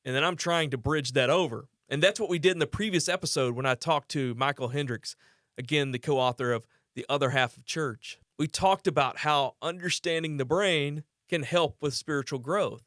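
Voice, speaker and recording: A man's voice: on the high side, moderate pace, a bit bright, no room sound, clean studio sound. A man in his forties hosting a faith and parenting podcast, asking his guest questions in an earnest, conversational way. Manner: earnest, conversational, with brief laughs. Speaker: podcast host. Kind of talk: podcast interview.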